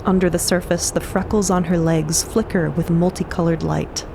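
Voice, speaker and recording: A woman narrating a scripted story in a conversational way, with clear ambient noise behind her. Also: fairly low pitch, fairly even intonation, moderate pace.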